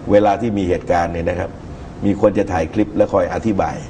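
A middle-aged man giving measured political commentary as a guest in a TV studio talk show, speaking into a lapel mic. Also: sits low, fairly even intonation, gravelly, dark tone, slight background noise. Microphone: lapel microphone.

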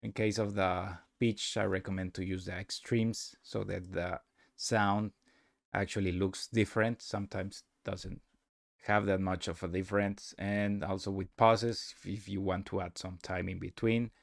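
A man narrating a casual software tutorial as a demonstrator, with halting, non-native English phrasing. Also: deep voice, level tone, creaky, no room sound, studio quality.

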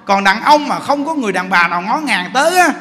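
A man with a Southern Vietnamese accent giving a Buddhist sermon as teacher, telling stories in an animated, joking way. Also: sits high, fast. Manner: animated, joking storyteller, laughs often. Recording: echoey hall, faint noise.

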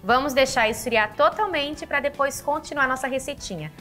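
A woman's voice: sits high, moderate pace, a bit bright, faint music behind. A woman in her thirties from Brazil, hosting an upbeat recipe tutorial in a home kitchen, chatty and affectionate with her viewers. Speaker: cooking channel host.

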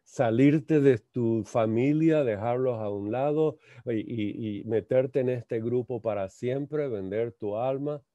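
A man slowly lecturing on a spiritual text, halting and repeating words, asking rhetorical questions. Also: medium pitch, mellow, dry recording. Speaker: lecturer on theosophy. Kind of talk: slow reflective spiritual lecture. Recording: muffled lo-fi dry sound.

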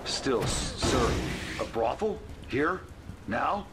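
A man's voice: mid-range voice, very animated, slow pace, vocal fry, very noisy, heavily acted. An actor playing a young male soldier from the Midwest who talks hesitantly and stammers, heard on a played-back archival recording. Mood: uneasy surprise. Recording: archival recording, distant and quiet.

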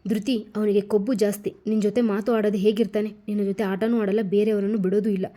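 Loud scolding aunt from a village story, warm low-key voice as a woman reads her. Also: flat delivery, fast, lightly acted. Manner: raised, scolding voice.

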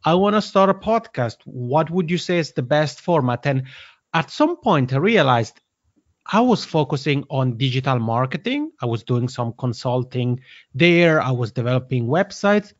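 A man's voice: medium pitch, sing-song, moderate pace, no room sound. A man in his thirties with an Italian accent, a podcast guest chatting casually, laughing often and restarting phrases. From Italian-speaking Switzerland. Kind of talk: casual interview chat. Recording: dry, slightly dull audio.

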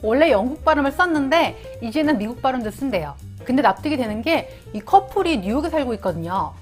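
Woman youtuber, kinda high voice, bouncy, explaining english words, soft music behind. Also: lively intonation, fast talker. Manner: friendly, explains English usage in Korean. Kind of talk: casual explanatory vlog.

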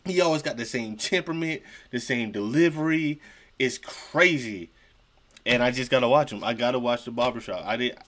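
A man's voice: mid-range voice, normal speed, fairly bright tone. A young man giving casual, slangy reaction commentary at home, repeating phrases for emphasis. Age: young adult. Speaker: reaction video host. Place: small room at home, indoors, seated at desk.

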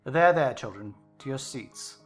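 A man's voice: mid-range voice, lively intonation, unhurried, soft background music. A man voicing a brusque, commanding master of the house in a dramatized story. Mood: brisk, commanding. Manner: bustling, commanding.

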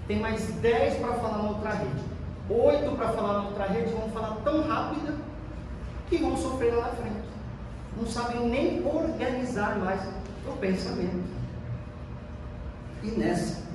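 A man in his thirties giving a lively, gesturing spiritist lecture into a stand microphone in a meeting hall. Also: high-pitched, measured pace, pauses often, recorded from a distance, background noise. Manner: lively, gestures broadly while speaking. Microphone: stand mic, filmed by a far camera. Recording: echoey hall recorded from afar.

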